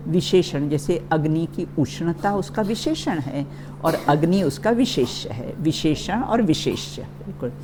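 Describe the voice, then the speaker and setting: Woman teacher leading a religious philosophy class; deep register, slow and deliberate. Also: background noise. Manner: checks in often with the listeners. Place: study hall.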